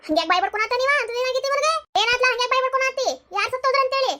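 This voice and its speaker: A very high, bright and piercing voice for a sarcastic, defiant old mother-in-law from a cartoon comedy, put on by a woman. She rattles along at a furious pace in a North Karnataka Kannada accent, scolding and mocking without letup. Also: very fast, slight background noise. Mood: alarmed. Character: sharp-tongued sarcastic mother-in-law, older village woman.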